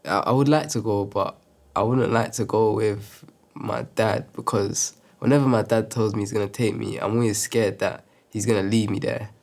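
A man's voice: fairly low pitch, steady tone, normal speed, a little mellow. A teenage boy talking about his parents in a light, self-amused way. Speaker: student sailor.

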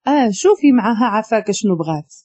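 A woman puts on a curt, teasing young man with a Moroccan accent, in a lively, up-and-down voice. The tone is mellow and a bit husky, and the recording is dry and slightly dull. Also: medium pitch, fast talker, dry recording. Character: young Italian man, brusque but caring.

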